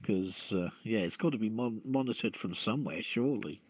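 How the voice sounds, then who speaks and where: A man's voice: fairly low pitch, a little fast, no echo. A man co-hosting a casual radio chat about the news, musing and jokey, often posing questions. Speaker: radio show co-host. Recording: muffled lo-fi audio.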